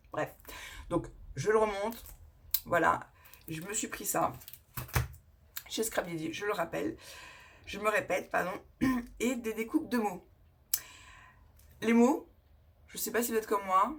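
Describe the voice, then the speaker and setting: A woman's voice: medium pitch, a bit bright, slightly rough. A woman talking casually in a haul vlog, chatty and rambling, often correcting herself as she shows her crafting purchases. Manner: chatty and rambling, with frequent self-corrections and laughs; enthusiastic, showing items to the camera. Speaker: scrapbooking vlogger.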